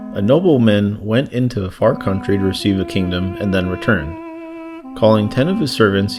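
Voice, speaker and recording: Low-voiced deacon reading scripture over music. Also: male voice. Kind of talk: formal Gospel reading.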